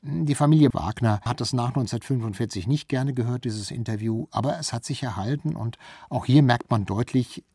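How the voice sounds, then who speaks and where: Male expert guest, husky voice, explanatory storytelling delivery, dry studio recording. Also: medium pitch, brisk, warm tone, no echo. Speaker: author and former radio culture chief, interview guest. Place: radio studio.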